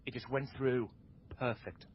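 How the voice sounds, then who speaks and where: A man talking as a guest on a casual wrestling podcast, excitable and stumbling over repeated words. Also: mid-range voice, a little slow, muffled recording, slight background noise. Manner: excitable, stammers on restarts.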